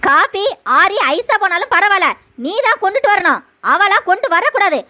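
A woman's voice: very high-pitched, lively intonation, normal speed, pushed and bright, exaggerated voice. A woman voicing a domineering, scolding middle-aged mother-in-law in a cartoon. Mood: bossy. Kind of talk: cartoon voice acting.

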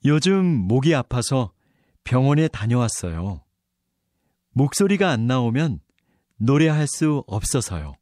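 A man reading his part of a scripted listening-test dialogue clearly and evenly. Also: mid-range voice, very animated, unhurried, long pauses, a little mellow, no room sound, studio quality. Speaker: dialogue reader on a Korean listening exam.

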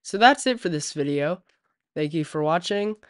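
A man hosting a tech tutorial, walking through software setup step by step as a voice-over at a USB desk microphone. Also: a little high, normal speed, dry recording, studio quality. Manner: steady step-by-step instruction. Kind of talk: screen-recorded software tutorial.

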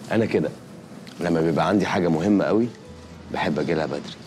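Man playing a deep-voiced smooth flirt. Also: fast talker, darkish tone, soft background music, close to an everyday voice. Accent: Egyptian Arabic. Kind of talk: TV drama acting.

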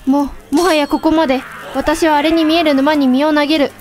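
An actress playing a brave, loyal young samurai princess in a historical voice drama, with dramatic archaic speech. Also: female voice, high-pitched, steady tone, fairly quick, over music, lightly acted. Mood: resolute, desperate. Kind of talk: Japanese historical voice drama acting.

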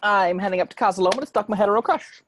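A woman's voice: medium pitch, very fast, close to an everyday voice. A woman voicing a sassy, teasing young gay male roommate in an amateur script reading over a noisy call. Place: remote video call.

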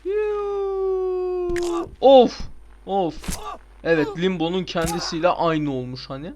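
A young man giving casual, excitable gameplay commentary, swearing and shouting at the game. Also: high-pitched, takes it slowly, slight background noise. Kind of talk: casual let's play commentary.

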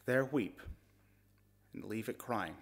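Male actor as Shakespearean nobleman, sorrowful, reluctant, slow solemn verse, stage tragedy. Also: lowish voice, slightly rough, pitched below the performer's own voice, exaggerated voice. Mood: sorrowful, haunted. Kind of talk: classical stage monologue.

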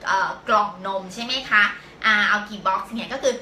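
A woman teaching a live-stream language lesson, patiently explaining step by step and slowly repeating words for learners. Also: mid-range voice, sharp tone, a little hiss or hum. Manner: slow, drawn-out repetition of words for learners. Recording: echoey room.

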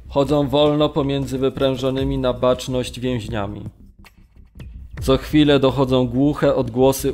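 Grave witness-narrator for radio drama male actor, mid-pitched, measured, restrained. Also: darkish tone, lightly acted. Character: male Polish camp prisoner recalling brutality, grave, restrained. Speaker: narrator reading witness testimony.

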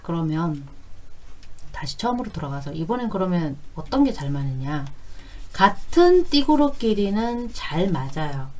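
Low-pitched woman teaching with very lively intonation. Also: low-quality recording. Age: 40s. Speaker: fortune-telling teacher. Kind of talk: explanatory online lesson, conversational.

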